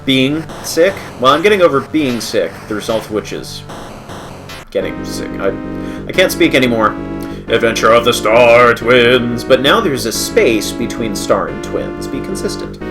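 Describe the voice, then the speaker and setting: A man hosts a game livestream, sounding a little stuffy as he gets over a cold. His commentary is wry and thought-out-loud, full of self-corrections, with a lively, bouncing pitch. Game music plays clearly behind him. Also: moderate pace. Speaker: livestream host playing a game. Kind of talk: let's-play commentary.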